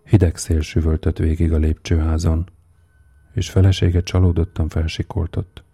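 A man reading a story aloud in a slow, measured, suspenseful way. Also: low voice, level tone, vocal fry, dark tone, husky. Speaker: narrator. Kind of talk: audiobook reading.

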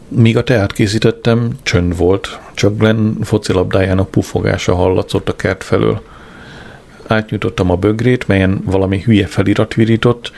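A man reading a comic diary aloud in a dry, deadpan manner. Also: on the low side, gravelly. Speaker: audiobook narrator. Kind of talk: scripted narration of a comic diary.

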